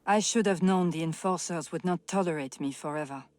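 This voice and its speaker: An actress playing a proud, resentful outcast psyker in a video game, speaking in a measured, brooding way. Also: female voice, on the low side, a little mellow, close to an everyday voice. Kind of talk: video game character voice acting.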